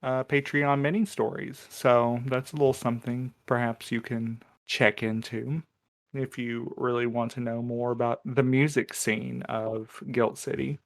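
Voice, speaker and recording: A man's voice: medium pitch, level tone, measured pace, creaky. A man in a podcast cast, chatting casually in a wry, joking way. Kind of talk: casual panel chat.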